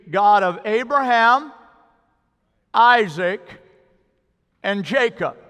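A man with a high pitch uses a raised, projected voice and an animated tone against a quiet background. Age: 50s. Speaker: pastor. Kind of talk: sermon. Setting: church. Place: church.

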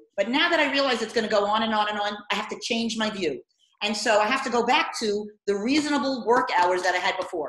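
A woman's fairly high voice at a very fast pace, with audible room echo and a quiet background. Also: ordinary pitch variation. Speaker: tax attorney. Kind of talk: interview. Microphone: video call.

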